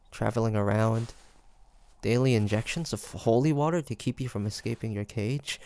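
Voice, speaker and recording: A man's voice: mid-range voice, vocal fry, a little mellow, slight background noise. A man playing a curious, teasing demon hunter in an audio roleplay, talking to the listener in a hesitant, conversational way. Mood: sympathetic, gentle. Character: male demon hunter traveler, curious, teasing, softly tsundere. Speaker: voice actor.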